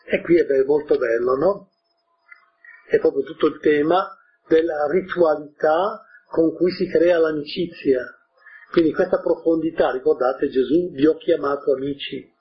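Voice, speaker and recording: A man's voice: a little high, a little slow, dull audio. A male preacher giving a sermon, reading from a storybook and explaining it, often adding "eh?" and "no?". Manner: explains warmly, tags with "eh?" and "no?". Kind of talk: sermon with a read-aloud storybook.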